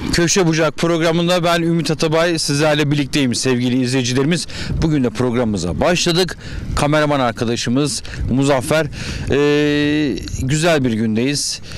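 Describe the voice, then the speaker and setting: Over light background noise, a man talks at a moderate pace with ordinary pitch variation and very even loudness, the sound dry with no echo. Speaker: TV presenter. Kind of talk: TV field presentation. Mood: cheerful, joking. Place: open country. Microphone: handheld.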